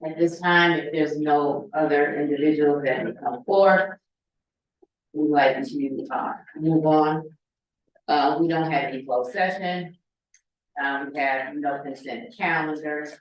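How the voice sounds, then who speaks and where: A man chairing a city council meeting, moving through agenda items in a halting, procedural way. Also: fairly high pitch, steady tone, a little hiss or hum. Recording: dull echoey chamber audio from far off.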